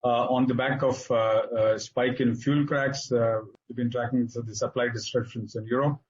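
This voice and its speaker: A man with an Indian accent presents as a finance executive on an earnings call, halting often with filler sounds. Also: medium pitch, fairly even intonation, a little hiss or hum. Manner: halting, hesitant delivery with frequent filler sounds. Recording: dull lo-fi conference call audio.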